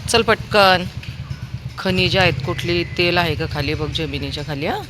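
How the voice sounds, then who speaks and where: A woman filming her dog outdoors by a road, calling and scolding him in a loud, high, rising voice. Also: fairly even intonation, brisk, background noise. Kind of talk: casual vlog talk.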